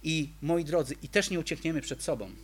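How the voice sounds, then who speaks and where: A man's voice: on the high side, brisk, husky, soft background music. A man preaching a sermon, emphatic and full of rhetorical questions to the congregation.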